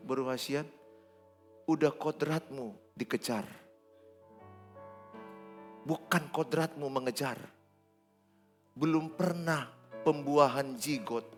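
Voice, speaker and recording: A man, preaching a sermon in church in an animated, joking way. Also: medium pitch. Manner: animated, joking, acts out dialogue. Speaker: pastor.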